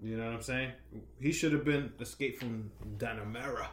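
A man co-hosting a casual, profane podcast chat, telling stories in an animated way. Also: mid-range voice, normal speed, roomy sound, slight background noise. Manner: animated storyteller, acts out quotes with shouty put-on voices. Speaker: podcast co-host.

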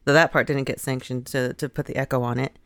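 Smooth, dry-voiced podcast cohost. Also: mid-range voice, flat delivery, quick pace, fairly bright tone, no room sound. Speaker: podcast co-host. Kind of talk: casual comedic podcast chat.

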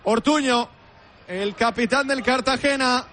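Man, football commentator, very high pitch, forceful bright tone, emphatic repetition, live stadium noise. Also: unhurried. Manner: emphatic, repeats phrases. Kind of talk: live penalty shootout commentary.

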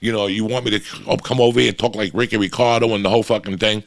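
Gravelly New Jersey man, profane and rambling. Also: fairly low pitch, fairly even intonation, quick pace. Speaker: podcast host. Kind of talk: casual chat.

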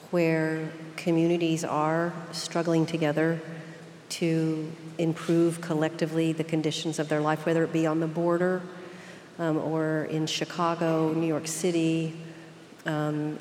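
A woman from Oklahoma with an Okie accent, speaking earnestly and deliberately as a guest in a reflective interview. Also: low voice, a little mellow. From Oklahoma, United States. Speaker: interview guest, seminary leader. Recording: echoey hall, clear background noise.

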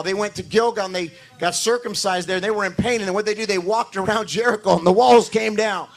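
A man preaching a sermon to his congregation with a hoarse voice, building emphasis through repetition and calling for amens. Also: high voice. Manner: talks to the congregation directly, asking for amens. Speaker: pastor.

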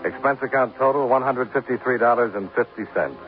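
An actor playing a laconic insurance investigator who narrates and talks terse and matter-of-fact in a 1950s radio drama. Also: male voice, mid-range voice, fairly quick, faint music behind, close to an everyday voice. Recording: tinny, lightly hissy old radio broadcast.

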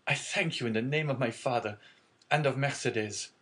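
A man reading aloud and voicing an earnest, respectful young sailor who speaks gravely and eagerly. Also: medium pitch, normal speed, a bit bright, natural voice. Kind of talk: audiobook character reading.

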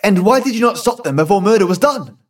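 A male narrator voicing an excited young man recounting a murder he saw. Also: fairly high pitch, normal speed, recorded from a distance, close to an everyday voice. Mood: agitated. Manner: excited, urgent storytelling. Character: agitated young husband, shaken witness.

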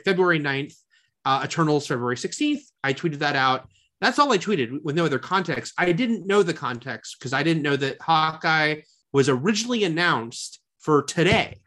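A man's voice: fairly high pitch, a bit bright. A man co-hosting a podcast in casual chat, chatty and full of fillers and restarts. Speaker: podcast co-host.

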